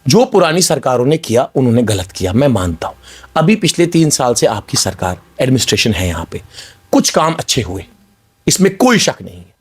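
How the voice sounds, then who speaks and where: A man's voice: medium pitch, very animated, a little fast, husky. A man from Kashmir arguing as a panelist in a heated TV debate, insistently asking others to hear him out. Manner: insistent, talks over others with repeated pleas to listen.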